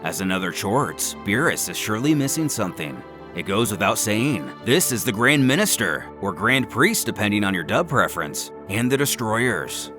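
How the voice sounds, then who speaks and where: Man, scripted story narration, dramatic and emphatic, animated intonation, clear background music. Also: on the low side, moderate pace. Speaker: narrator of fan story recaps.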